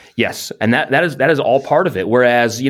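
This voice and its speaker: A man with a normal speaking voice talks at a fairly quick pace, his pitch sitting in the medium range. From Canada. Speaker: photographer. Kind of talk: casual chat. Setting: remote call.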